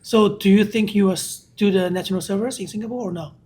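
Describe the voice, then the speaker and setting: This host speaks English with a Chinese accent and a husky, slightly breathy tone. The questions come short and direct, often echoing an answer back to check it before moving on. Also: mid-range voice, steady tone, fast, dark tone. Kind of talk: casual interview.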